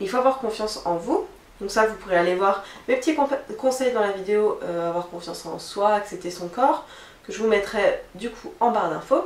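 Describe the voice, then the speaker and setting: With audible room echo and noticeable background noise, a woman with a fairly high voice speaks at a fairly quick pace with lively intonation. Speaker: beauty and lifestyle vlogger. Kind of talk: casual vlog monologue. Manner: fast; hesitant, many fillers.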